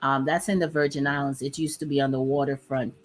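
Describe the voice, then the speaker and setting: A woman's voice: rumbling low, flat delivery, quick pace. A woman from Dominica, hosting a casual chat, talkative, laughing often and stretching words for emphasis. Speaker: host.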